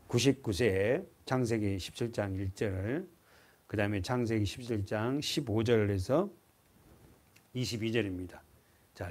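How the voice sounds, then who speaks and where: A male pastor preaching an expository sermon in a church. He keeps asking the congregation questions and answering them himself, and he calls on them to read scripture aloud. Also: mid-range voice.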